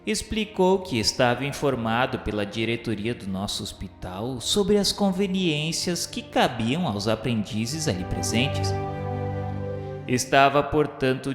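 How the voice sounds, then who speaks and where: A man reading a spiritist radio novel aloud in a formal, measured, grave manner. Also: mid-range voice, reverberant, in a large hall. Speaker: narrator. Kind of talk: solemn scripted narration of a spiritist radio novel.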